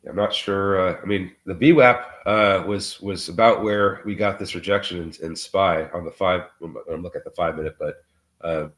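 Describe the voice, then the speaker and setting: A sick man whose voice sounds muffled, as if speaking through a wall, talking about trading in a halting way with many fillers. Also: sits low, fairly even intonation, fairly bright tone. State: sick, under the weather. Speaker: regular market commentator. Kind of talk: casual trading talk on a live show. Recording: roomy, muffled remote audio.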